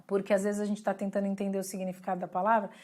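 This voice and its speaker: A woman's voice: medium pitch, monotone, rapid-fire, dark tone. A woman from Brazil in her thirties giving an English lesson, explaining patiently and checking in with the viewers often. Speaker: English teacher.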